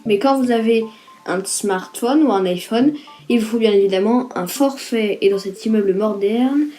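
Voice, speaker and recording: A woman's voice: on the high side, mellow. A woman reporter giving scripted news narration in a lightly playful, explanatory way.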